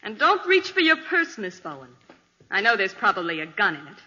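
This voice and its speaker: Female villain: commanding thief, animated, imperious delivery, dull vintage radio sound. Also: medium pitch, fairly quick, husky, long reverb tail, heavily acted. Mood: menacing, commanding. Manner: imperious, menacing. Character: cold, commanding female thief holding a gun. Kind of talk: 1940s radio villain acting.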